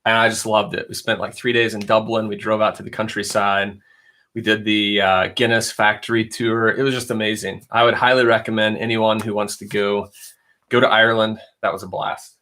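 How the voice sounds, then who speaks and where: Low-ish voiced guy rambling on a live stream, reading out viewer questions. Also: flat delivery, fairly quick, sharp tone. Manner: chatty, rambling, reads viewer questions aloud. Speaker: reseller livestream host. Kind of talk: casual live stream chat.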